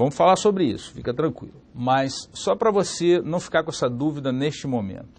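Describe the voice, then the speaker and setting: This is an ordinary speaking voice from a man. He talks at a moderate pace with lively intonation. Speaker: law professor. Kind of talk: lecture.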